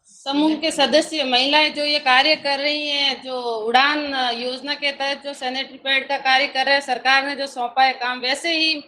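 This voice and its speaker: A woman's voice: high voice, fairly even intonation, moderate pace, bright, forceful tone, slight background noise, poor audio. A woman who heads a self-help group giving an earnest, formal proposal on a video call.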